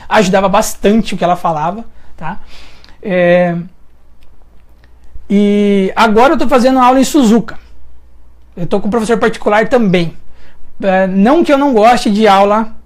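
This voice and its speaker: This host has a medium-pitched, somewhat dark voice and a Brazilian Portuguese accent; she is from Brazil. Running a relaxed live chat, she reads out viewer questions and responds with many hesitations as she thinks aloud, addressing her audience warmly and informally.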